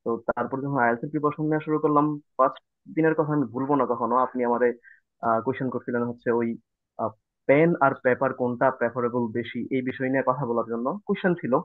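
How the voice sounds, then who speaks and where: A man's voice: mid-range voice, steady tone, fast talker, dry recording, phone-quality sound. A young man, a former student, sharing his experience casually and hesitantly with many fillers. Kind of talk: casual testimony in class.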